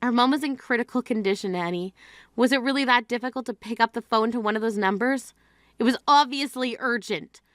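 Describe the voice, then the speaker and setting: Woman doing a fed-up grieving sister, high bright voice, scolding hard, dry close sound. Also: no echo, close to an everyday voice. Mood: reproachful. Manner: scolding, exasperated. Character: exasperated grieving sister, blunt and indignant. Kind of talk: scripted drama acting.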